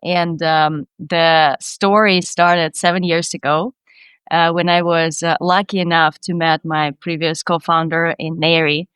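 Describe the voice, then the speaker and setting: A woman's voice: low-pitched, level tone, a little slow, fairly bright tone, clean tone, no room sound, clean studio sound. A Ukrainian woman with a Ukrainian accent, a startup CEO being interviewed on a podcast, talking earnestly and dreamily with frequent restarts. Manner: earnest, dreamy, many restarts, light non-native grammar.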